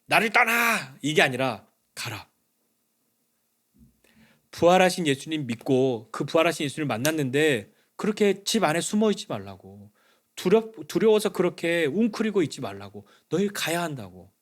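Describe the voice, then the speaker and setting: A man's voice: big pitch swings, brisk. Conversational male pastor preaching. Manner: conversational preaching, acts out quoted dialogue; drops to soft, low lines for emphasis. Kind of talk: Sunday sermon.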